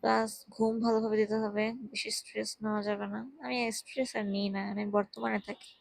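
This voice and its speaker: A tired young woman, speaking very softly while lying down at home, giving casual health advice into a handheld mic. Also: medium pitch, completely flat delivery, quick pace, vocal fry, no room sound, low-quality recording. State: tired, drowsy. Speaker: vlogger. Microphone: handheld microphone.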